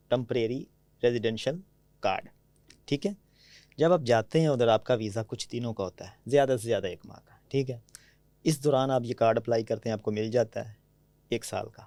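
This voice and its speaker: A man from Pakistan speaks with a Punjabi-tinged Urdu accent, telling anecdotes in an easy, conversational way and often pausing to check that the listener follows. His voice is mellow and dark. It was recorded close and dry, with no room sound. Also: medium pitch, dry recording. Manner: anecdotal, frequently asks "theek hai?" to check understanding. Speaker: podcast guest. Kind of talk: conversational storytelling.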